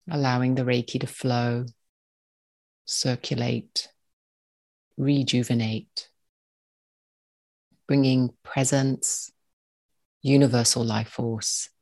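This is a meditation guide speaking at medium pitch, offering slow, soothing instructions. The phrases are short and well spaced, and the manner stays calm throughout.

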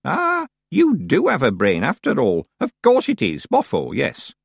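Storybook old witch played by a man: high, wildly animated pitch, proud and sly, old-fashioned genteel manner. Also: measured pace, no echo, clean studio sound, exaggerated voice. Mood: pleased, wry. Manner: crisp, dramatic, old-fashioned genteel phrasing. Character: old woman witch, sly, proud, theatrical, kindly stern. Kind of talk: audiobook character voice.

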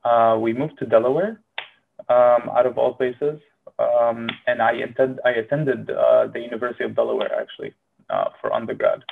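A man's voice: medium pitch, fairly even intonation, normal speed, vocal fry, phone-quality sound, slight background noise. A young man in his early twenties from Syria, with a Syrian Arabic accent, rambling casually through a monologue with many fillers. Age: early 20s. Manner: rambling, filler-heavy, self-deprecating. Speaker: medical student vlogger.

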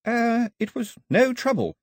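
Man putting on a high, anxious young woman. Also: big pitch swings, a little slow, no echo, clean studio sound, heavily acted. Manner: anxious, pleading questions. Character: nervous, brave young woman.

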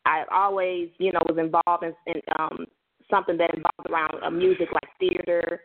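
A woman's voice: fairly low pitch, little pitch movement, normal speed. Woman on a crackly, fading phone line. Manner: hesitant, many fillers, laughs at her own jokes. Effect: crackly phone line that fades in and out. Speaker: musician guest. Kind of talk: phone interview.

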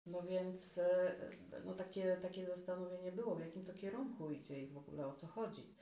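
Being interviewed casually, a female guest who owns a fashion business talks hesitantly, using lots of fillers. She has a lowish, warm voice with fairly even intonation and a slightly fast delivery, recorded from a distance with roomy echo.

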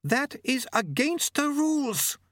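A man's voice: very high-pitched, very animated, moderate pace, fairly bright tone, dry recording, studio quality, pitched above the performer's own voice, heavily acted. A man voicing a haughty, tense aristocratic lady with a refined, commanding manner. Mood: hissing, angry.

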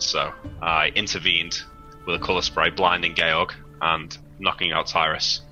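A man's voice: deep voice, bright, forceful tone, muffled recording. A British man playing in a livestreamed tabletop game, chatting casually, swearing freely and stumbling over his words. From United Kingdom. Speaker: player.

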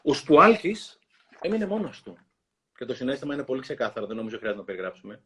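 A man hosting a talk, reading a children's book aloud in an expressive storytelling way and pausing to comment. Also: mid-range voice, a little hiss or hum. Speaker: host.

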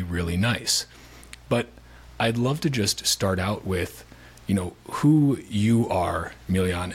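A man's voice: fairly low pitch, breathy edge. A man hosting a podcast, asking his guest questions in a casual, conversational way. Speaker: podcast host. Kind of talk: casual interview.

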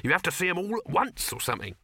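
A man's voice: high voice, big pitch swings, rapid-fire, pushed and bright, slightly rough, dry recording, clean studio sound, pitched above the performer's own voice, exaggerated voice. A man voicing a cheerful, conspiratorial sausage hawker in a storybook, with colloquial, wheedling sales patter. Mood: confiding.

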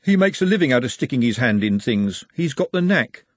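A man playing a reluctant, wry wizard, husky. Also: mid-range voice, sing-song, fairly quick, no room sound. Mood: wry reluctance. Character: reluctant, wry, self-protecting male wizard professor. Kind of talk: audiobook character voice.

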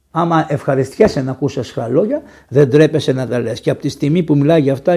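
Male priest from Greece, sermon, animated delivery with loud emphatic peaks. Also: on the high side, creaky, husky. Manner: lively, conversational preaching with sudden raised emphasis.

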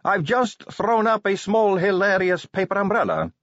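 A man doing a glum, high-pitched dwarf woman. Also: big pitch swings, moderate pace, a bit bright, dry recording, highs cut off. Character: young female dwarf, glum and self-pitying.

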